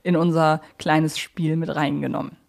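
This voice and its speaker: A woman's voice: deep voice, little pitch movement, moderate pace, vocal fry. Chatty woman co-hosting a podcast. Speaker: podcast co-host. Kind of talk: casual conversational discussion of audio dramas.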